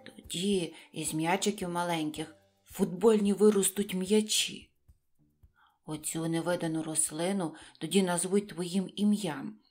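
A woman's voice: lowish voice, darkish tone. A woman voicing a sly, teasing young male hedgehog in a children's storybook, breezy and persuasive.

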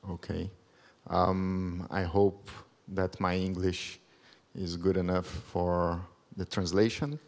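A low-voiced Brazilian man in his thirties speaks flatly through a podium mic in a large conference hall. Portuguese is his native tongue; his accented English presentation is careful and measured, peppered with ums.

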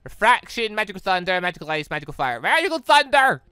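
An excitable British gamer rambles through let's play commentary, often breaking off mid-sentence. The voice is recorded close and dry, with music playing behind it. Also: mid-range voice, quick pace, clear, resonant tone, no echo. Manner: excitable, rambling, self-interrupting. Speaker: gaming video host. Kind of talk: let's play commentary, reading dialogue aloud. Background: game music.

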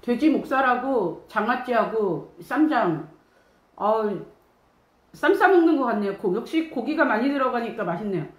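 A woman's voice: a little high, animated, moderate pace, reverberant, rough recording. A woman streaming a casual eating show, chatting about the food while speaking behind her hand as she chews. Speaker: mukbang streamer. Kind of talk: casual eating livestream chat.

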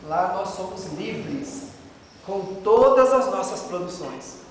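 A man's voice: sits high, animated, slow. A middle-aged Brazilian man giving a religious lecture in a dramatic, emphatic, rhetorical manner. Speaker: lecturer at a Spiritist center. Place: indoor lecture room with a chalkboard. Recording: very echoey, noisy hall, distant mic.

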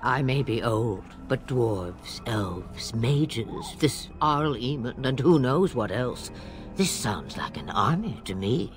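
An actress playing an old witch mother, sly and imperious, with a low, weathered voice and measured, theatrical delivery in a fantasy game. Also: very animated, over music, exaggerated voice. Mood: wry, portentous. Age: older. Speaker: witch of the wilds.

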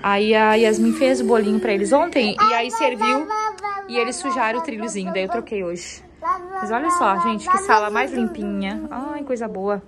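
A woman's voice: fairly high pitch, animated, moderate pace, very noisy. A woman with a Brazilian Portuguese accent, chatting casually to viewers as she does housework at home. She often breaks into fond baby talk with her daughter. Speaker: homemaker vlogger. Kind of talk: casual chat to viewers while doing chores. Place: at home, indoors.

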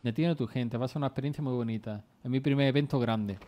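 A man from Spain with a Spain Spanish accent, chatting loosely with his viewers as he plays a game. He rambles in a laid-back way, swears freely and bursts out in excitement. His voice sits at an ordinary middle pitch, with a faint hiss of noise behind it. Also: quick pace, muffled recording. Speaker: gaming streamer. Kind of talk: casual gameplay chat with viewers.

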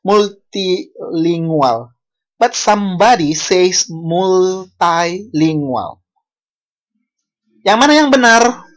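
With an expressive voice in the middle range, a lecturer from a Balinese university gives a language lecture over video call. They move unhurriedly, asking the class questions and self-correcting as they speak.

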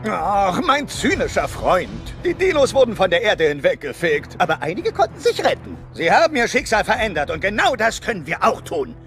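Crazy high bouncy weasel, show-off, one eye, audio drama. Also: male voice, moderate pace, few pauses, faint music behind, exaggerated voice. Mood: scheming. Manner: theatrical, excitable, boastful. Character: wild one-eyed male weasel adventurer, manic.

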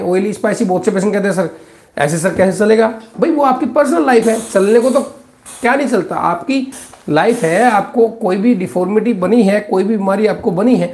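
A man's voice: high voice, brisk, a little mellow. Blunt, scolding male doctor in an echoey room. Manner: blunt, scolding advice, addresses viewers as brother and son. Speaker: doctor answering viewer questions. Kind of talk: live Q&A consultation.

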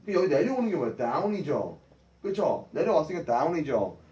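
Lively man teaching English in a roomy class. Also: fairly high pitch, quick pace. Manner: lively, drills phrases and has the class repeat them. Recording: roomy echo, mic at a distance.

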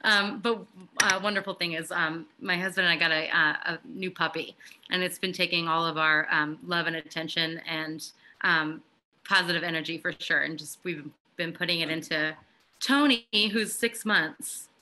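A woman's voice: fairly low pitch, fairly even intonation, moderate pace, sharp tone. A young woman from Philadelphia, a guest actor, chatting playfully on a video call from home. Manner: playful, jokey. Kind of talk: casual chat on video call. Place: living room couch at home.

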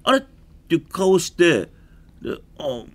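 A man's voice: fairly high pitch, big pitch swings, unhurried, a bit bright. A man with a Kansai Japanese accent in casual radio banter, given to exclaiming and grumbling asides as host. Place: radio studio.

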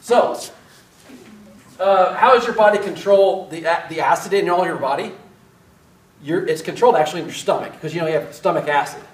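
A middle-aged man lecturing through a face mask in a large, echoey classroom, picked up by a camera well across the room. His voice sits a little high for a man, and he keeps things casual and self-deprecating, tossing questions to the students. A faint hiss lies under the recording. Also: brisk, long pauses, distant mic. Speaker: respiratory therapy instructor. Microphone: far camera.

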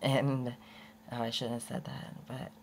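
A young woman rambling candidly in a casual unedited vlog, her voice prone to going hoarse. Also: a bass voice, flat delivery, a little slow, a little hiss or hum. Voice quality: voice often goes hoarse. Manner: rambling and candid, with many restarts and laughs. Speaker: vlogger.

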